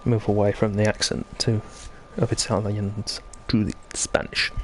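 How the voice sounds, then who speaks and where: A man's voice: fairly low pitch, little pitch movement, moderate pace, slight background noise. A man hosting live esports racing commentary in a chatty, conversational way, bantering with his co-commentator. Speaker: sim racing commentator and host.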